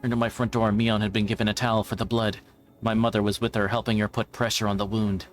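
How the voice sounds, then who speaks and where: A man's voice: fairly low pitch, level tone, fast talker. A man reading visual novel narration aloud, now and then stumbling over the text and repeating phrases. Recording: music behind the voice. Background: music.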